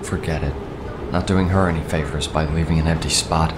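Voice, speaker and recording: A man's voice: extremely low pitch, steady tone, brisk. An actor playing a weary, wry young man in a video game, speaking naturally. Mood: subdued. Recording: noisy game audio with ambience.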